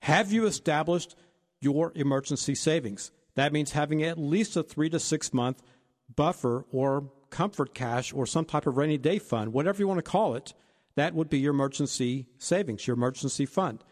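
Man, financial advisor, steady explanatory delivery, somewhat high voice, long reverb. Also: normal speed. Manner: steady explanatory, lists points. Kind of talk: radio-style financial advice talk.

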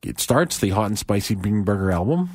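A man back-announcing tracks on a radio show, his voice hoarse and a little croaky. He talks in a low register, loose and chatty, wandering into asides. The sound is dry and close, with no room around it. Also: sing-song, brisk, a little mellow, no room sound.

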